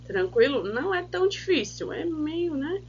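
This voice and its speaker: Woman, language teacher, online lesson, patient, drawn-out example words, muffled lo-fi audio, faint hum. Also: sits high, sing-song. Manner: patient, checks in often with tag questions; slows down to spell out and stress example words. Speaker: Spanish teacher. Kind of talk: online lesson explaining grammar.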